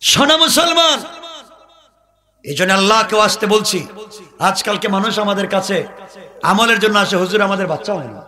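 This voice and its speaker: A male preacher delivering a sermon, moving from quiet storytelling to shouted, sing-song climaxes. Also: high voice, fast talker. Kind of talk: Bengali waz sermon.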